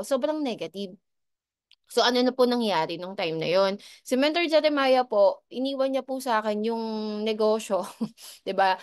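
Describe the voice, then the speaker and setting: A woman's voice: a little high, clean tone. A woman sharing her business testimony with a team, in a conversational way with frequent rhetorical asides to the audience and polite, respectful particles. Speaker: business distributor giving a testimony. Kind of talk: motivational testimonial talk to a team.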